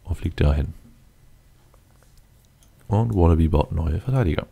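A man with a very low, gravelly voice talks his way through a game. His tone is dark and mellow, and he mutters casually to himself, thinking aloud and addressing his units directly. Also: animated, measured pace. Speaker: let's player commenting on his game.

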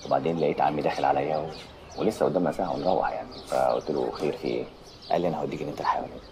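An actor playing a cocky, wisecracking tough charmer in a comic film, teasing with an Egyptian accent. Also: male voice, a bass voice, rapid-fire, noisy background. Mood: reflective, joking. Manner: teasing, sardonic. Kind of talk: comic screen acting.

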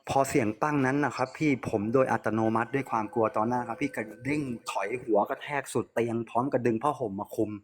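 A man recounts a frightening night in a relaxed, conversational way. He keeps turning to address the host as he tells it, the way a caller talks on a storytelling show. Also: medium pitch, fast, hardly any pauses. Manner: addresses the host often, plain conversational telling. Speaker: caller telling a ghost story. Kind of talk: casual spoken storytelling to a radio-style host.

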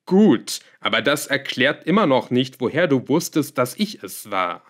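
A man voicing a scheming male villain in an audiobook, calm, smug and lightly scornful. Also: medium pitch, measured pace, voice pushed up. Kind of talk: audiobook character voice.

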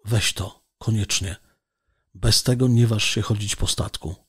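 Mężczyzna czytający głosem chorego, upartego przywódcy wyprawy, mówiącego natarczywie i z naciskiem. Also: male voice, on the low side, steady tone, unhurried, fairly bright tone, slightly rough, heavily acted. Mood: urgent.

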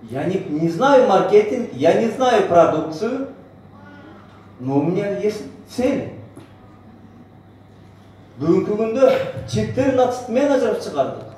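A man's voice: sits high, big pitch swings, slow, pauses often, warm tone. A middle-aged man with a Central Asian accent giving an emphatic, boastful motivational presentation full of rhetorical questions. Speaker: network marketing speaker, senior manager. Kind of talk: motivational presentation, mixing two languages. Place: on stage in a large hotel banquet hall. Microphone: far camera in the audience area. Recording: echoey hotel hall, distant, noisy.

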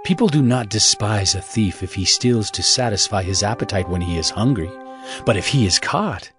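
A man's voice: lowish voice, expressive, normal speed, a bit bright. Solemn male scripture narrator over music. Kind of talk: dramatized scripture reading.

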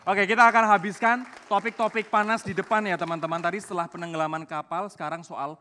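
A man hosting a talk show, moderating briskly and handing the floor to each guest. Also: high voice, steady tone, pushed and bright, slight background noise. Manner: brisk, hands the floor around. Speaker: host.

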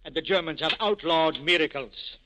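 An actor playing a self-important, courtly black-market boss with formal phrasing, in 1940s radio acting style. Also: male voice, on the high side, moderate pace, noisy background, lightly acted. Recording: dull 1940s radio broadcast recording.

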